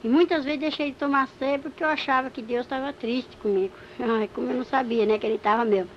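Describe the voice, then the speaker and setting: A woman giving an emotional church testimony, telling her story in an animated way and acting out the dialogue. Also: high voice, quick pace. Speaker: testimony speaker. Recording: muffled recording with faint hiss.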